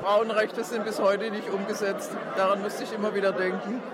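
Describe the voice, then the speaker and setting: An earnest man with a high, flat voice speaks thoughtfully as an audience member. A dense crowd fills the background. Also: normal speed, very noisy.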